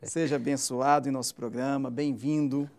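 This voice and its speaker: This pastor and Christian TV interview host has a medium-pitched, slightly mellow voice with a flat delivery at normal speed. Even so, he speaks emphatically and breaks off to address viewers in preacherly asides.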